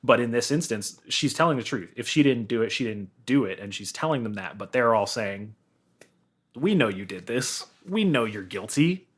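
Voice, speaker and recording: A man's voice: mid-range voice, lively intonation, moderate pace, slightly rough. A man guesting on a podcast, chatting informally and giving joking opinions. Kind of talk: casual chat, discussing song lyrics.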